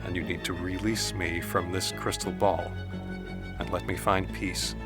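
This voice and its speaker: An actor playing a dead man's trapped, anguished spirit who reads a letter in measured, formal diction in an audio drama. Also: low-pitched, little pitch movement. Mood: solemn, resigned. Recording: music under the voice.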